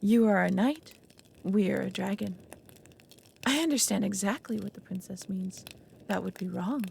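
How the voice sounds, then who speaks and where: This ASMR roleplay audio drama features a woman voicing a lonely, creaky-voiced female dragon, anxious, possessive and awkwardly smitten. Her voice sits mid-range with a darkish tone and a faint hiss or hum. She comes across as flustered and coy, speaking haltingly and earnestly with formal phrasing.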